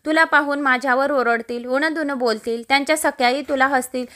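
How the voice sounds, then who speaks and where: A woman's voice: high-pitched, fairly even intonation, a little fast, bright, forceful tone. A woman voicing a worried young palace maid who questions and pleads. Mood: anxious.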